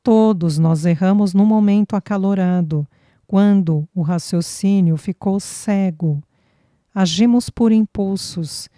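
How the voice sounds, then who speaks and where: A woman reading a young sister's lines in a calm, reasoning manner. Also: medium pitch, slow, dry recording, clean studio sound, natural voice. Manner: reasoning, conciliatory.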